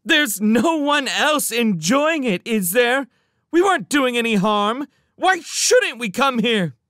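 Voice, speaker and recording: High-pitched, frightened young girl, voiced by a man. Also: wildly swooping pitch, takes it slowly, fairly bright tone, dry recording, studio quality, heavily acted. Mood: desperate defiance. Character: frightened but defiant young girl, pleading. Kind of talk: dramatic audiobook character reading.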